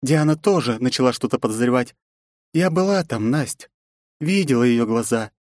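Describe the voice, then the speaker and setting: A man's voice: mid-range voice, animated, normal speed, no room sound, studio quality, pitched above the performer's own voice, lightly acted. A man playing a worried older woman.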